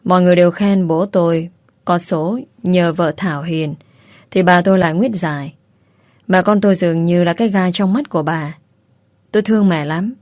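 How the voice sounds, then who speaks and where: A woman narrating a first-person audiobook story in a calm, measured way. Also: lowish voice, dry recording, studio quality.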